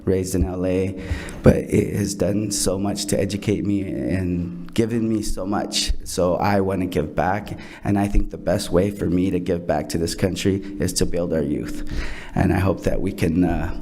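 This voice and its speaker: A man's voice: low-pitched, moderate pace, mellow, slight background noise. A middle-aged man, originally from El Salvador, giving earnest prepared thanks to a school board and repeating phrases for emphasis. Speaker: program founder presenting to a school board. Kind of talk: prepared remarks at a public meeting.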